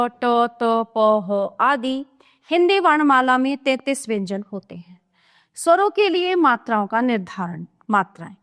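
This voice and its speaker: A woman teaches a grammar lesson at an unhurried, deliberate pace. Her voice sits a little high, and she spells out each example one at a time, pausing now and then to check that the listener is following. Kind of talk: explaining a Hindi grammar lesson.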